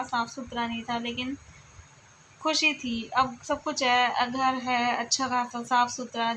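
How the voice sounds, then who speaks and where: Bright-voiced woman in reflective home chat. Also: fairly high pitch, a little hiss or hum. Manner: soft, reflective, repeats herself. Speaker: vlogger. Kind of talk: casual confiding chat to viewers. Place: at home, lying down resting.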